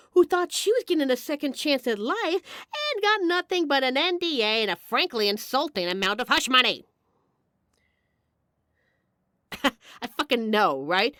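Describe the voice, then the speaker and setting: A brash female mafia boss, acted by a woman in an audio roleplay, swinging widely in pitch. She is wry, flirty and apologetically charming, talking straight to the listener in a dry, close recording. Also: sharp tone, no echo, exaggerated voice. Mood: indignant, sarcastic.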